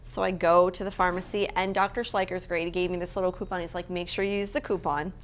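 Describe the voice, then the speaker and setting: A woman's voice: fairly low pitch, level tone, quick pace, a little hiss or hum. A woman co-hosting a casual talk show, chatty and self-mocking as she tells stories. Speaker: co-host. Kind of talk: casual chat. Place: hotel room.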